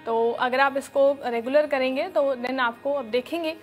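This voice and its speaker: A young woman teaching yoga in a studio, giving calm step-by-step instructions with many fillers, on a lapel mic. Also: high-pitched, unhurried, faint music behind. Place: studio with red floor and dark curtains.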